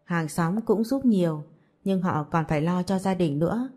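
A woman voicing a kind, gentle elderly beggar woman, speaking slowly and softly. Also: fairly low pitch, close to an everyday voice. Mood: grateful.

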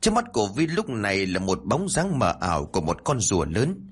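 A man narrating a spooky audio story with a lively, dramatic telling. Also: on the low side, a little fast, slightly rough.

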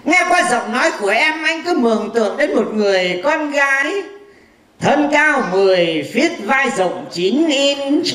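A man's voice: extremely high pitch, lively intonation, unhurried, a crowd in the background. A man playing a boastful, teasing blind fortune teller in a stage comedy skit. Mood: flirty. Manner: bragging, teasing, insulting banter. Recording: echoey live stage with audience.

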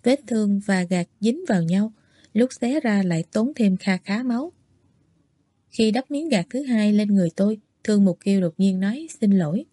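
A woman narrates a novel in the first person at an even, measured pace. Her voice is mellow and warm. The recording is close and dry. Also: mid-range voice, no echo. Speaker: audiobook reader.

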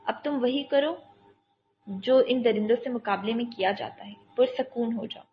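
A woman voicing a calm, commanding young male army captain who steadily coaxes a frightened child, on dull lo-fi audio. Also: a little high, slight background noise, natural voice. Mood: coaxing. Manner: steady, coaxing, talks a frightened child through danger.

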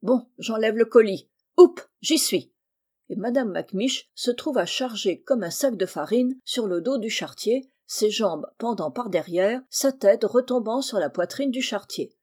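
A woman narrating a classic novel aloud in a steady, clear storytelling manner. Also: fairly high pitch, normal speed, few pauses. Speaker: audiobook narrator.

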